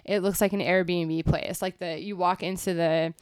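A talkative woman tells stories in a relaxed podcast chat, leaning hard on "like" and casual swearing. Her voice is smooth and resonant, recorded dry and close in an apartment. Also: lowish voice, moderate pace, no echo. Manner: chatty storyteller, heavy use of "like", swears casually. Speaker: podcast co-host. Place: apartment in Brooklyn.

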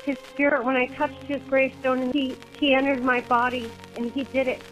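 A woman's voice: sits high, little pitch movement, a little fast, soft background music, pitched above the performer's own voice, lightly acted, low-quality recording. A woman voicing a frightened, possessed little girl who pleads and repeats herself in a horror audio drama. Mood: desperate.

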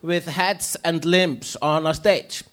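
Dry Icelandic-accented man, high voice. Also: steady tone, a bit bright. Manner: dry, deliberate, repeats "yes", hesitant with fillers. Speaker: podcast co-host. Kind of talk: casual comedic chat. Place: live stage with audience. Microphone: stage microphone.

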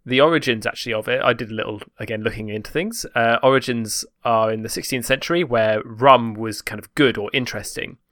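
A man's voice: mid-range voice, fairly quick, hardly any pauses, a bit bright, dry recording, studio quality. A man with a home counties English accent, explaining things in casual, discursive chat and often correcting himself. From home counties, England. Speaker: podcast panellist explaining British terms.

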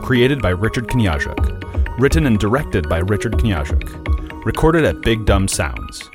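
A man with a lowish voice reads the end credits in a dry, even announcer's tone. Loud music plays behind him. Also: measured pace. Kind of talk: scripted credits reading.

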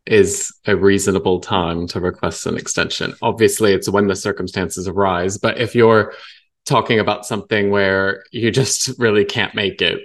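A man's voice: low-pitched, fairly even intonation, normal speed. A man hosting a legal podcast, talking in a thoughtful, hesitant way that trails off and restarts. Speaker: podcast host. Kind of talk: casual professional chat.

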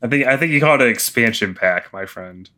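A young man co-hosting a casual podcast, dry and deadpan, precise about small details. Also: mid-range voice, fairly quick. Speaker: podcast co-host. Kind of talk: casual chat.

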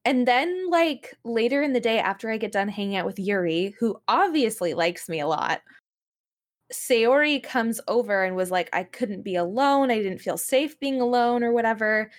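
A young woman chatting casually on a podcast in an animated, rambling way, full of "like" and exasperated storytelling. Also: on the high side, moderate pace. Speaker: podcast co-host. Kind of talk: casual chat about games and anime.

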